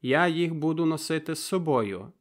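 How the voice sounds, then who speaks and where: A man's voice: a little high, expressive, normal speed, pitched above the performer's own voice, natural voice. A man voicing a shy but earnest young man in an audiobook, speaking emphatically.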